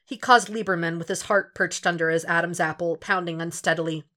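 A woman's voice: on the low side, steady tone, fairly quick, sharp tone. A woman reading scripted fiction aloud as an audiobook narrator, in a dramatic storytelling style.

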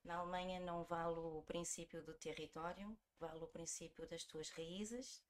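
A woman's voice: on the low side, fairly even intonation, moderate pace. A woman in her forties from Germany with a European Portuguese accent, telling her story conversationally as a podcast guest. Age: 40s.

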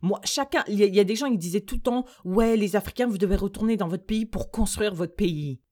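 A woman's voice: medium pitch, brisk, a little mellow. A young woman from Mauritania, debating in a casual chat, emphatic and slipping English phrases into her talk. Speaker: discussion guest.

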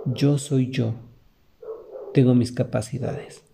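A man's voice: medium pitch, steady tone, takes it slowly, creaky, background noise. A man with a Mexican accent hosting a podcast, talking in an earnest, motivational way straight to the listener. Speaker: podcast host. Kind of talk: reflective podcast monologue.

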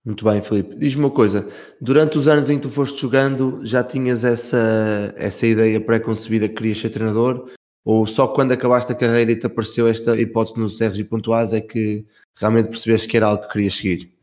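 A man hosting a podcast interview, greeting his guest and asking brisk questions. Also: on the low side, flat delivery, darkish tone. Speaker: podcast host.

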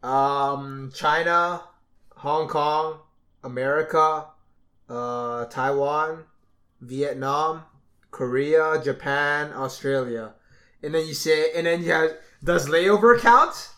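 A man's voice: a little high, slow, fairly bright tone. A young man co-hosting a podcast, teasing his friend and asking questions in casual chat. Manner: teasing, questioning, reads items aloud. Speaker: podcast co-host.

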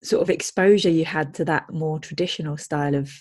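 A woman host with a fairly low voice chats with her guest in a friendly, easygoing way. She laughs easily and thinks aloud as she talks. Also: fairly even intonation, fairly quick, a little mellow. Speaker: language consultant and podcast host. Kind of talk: casual interview chat.

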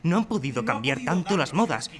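A man playing the solemn narrator of a radio spy serial, delivering literary lines in dramatic, deliberate fragments. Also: fairly high pitch, big pitch swings, a crowd in the background. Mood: ominous. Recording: noisy live audience recording with ambience.

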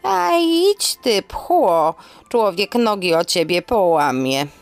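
A woman voicing a grumbling, folksy elderly aunt in an audio drama, scolding yet affectionate, with exclamatory, drawn-out speech. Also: medium pitch, very animated, soft background music, pitched above the performer's own voice. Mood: grumbling, disgusted.

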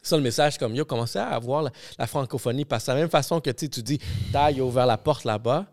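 A man hosting a casual podcast, talking animatedly with "comme, yo" fillers and thinking out loud. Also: mid-range voice, quick pace. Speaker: podcast host.

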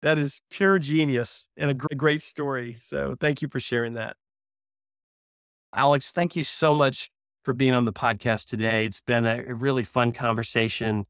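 A man's voice: medium pitch, fairly even intonation, moderate pace, a bit bright, dry recording, studio quality. A man hosting a podcast interview, thanking and wrapping up in a friendly way. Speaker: podcast host.

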